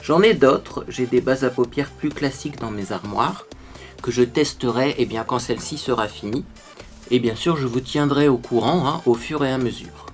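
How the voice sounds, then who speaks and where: A man's voice: medium pitch, moderate pace, faint music behind. Chatty man explaining a makeup routine. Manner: chatty, explains each step to viewers. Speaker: beauty tutorial host. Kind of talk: casual makeup tutorial talk.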